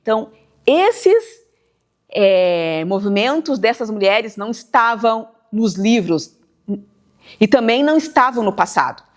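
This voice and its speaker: A woman's voice: a little high, sing-song. Thoughtful woman writer. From southern Brazil, near the Uruguay border. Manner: measured, thoughtful, stretches words while thinking. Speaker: writer, interview guest. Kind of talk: reflective interview talk.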